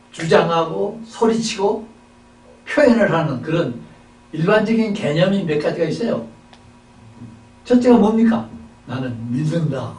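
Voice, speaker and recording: A man delivers a sermon in a chapel service, asking rhetorical questions and moving between forceful and hushed lines. His voice sits a little high. He is picked up from some distance in a reverberant hall. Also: slight background noise. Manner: rhetorical questions, swings between loud and soft. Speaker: preacher. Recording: echoey hall, mic at a distance.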